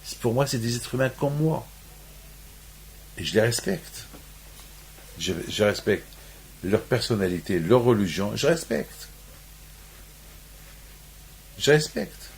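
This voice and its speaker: A man's voice: mid-range voice, expressive, a little slow, gravelly, pauses often, a little hiss or hum, rough recording. A man from Morocco giving a sermon on the weekly Torah portion, restating his points over and over and rising into emphatic peaks. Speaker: rabbi.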